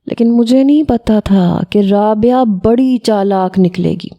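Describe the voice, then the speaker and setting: A woman's voice: mid-range voice, dull audio. A woman narrating a first-person audio story as a schoolboy.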